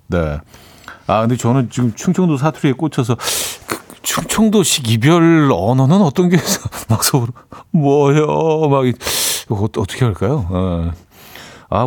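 A man hosting a radio music show, chatting casually, reading listener messages aloud and laughing often. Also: medium pitch. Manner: chatty, laughs often, mimics dialect playfully. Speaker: radio DJ host. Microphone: studio microphone.

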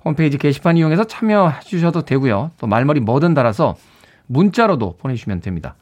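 A man's voice: a little high, big pitch swings, quick pace, darkish tone, muffled recording. A man hosting a radio show, chatting in a friendly way and reading out listener messages from a studio. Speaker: radio host. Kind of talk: radio DJ talk.

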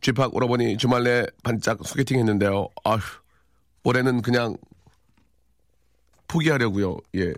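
A man's voice: mid-range voice, moderate pace, long pauses, no echo. Dry-voiced man hosting live radio. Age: 40s. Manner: dry, teasing, deadpan humor. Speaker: radio host. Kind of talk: live radio chat reading listener messages. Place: radio studio. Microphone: studio microphone.

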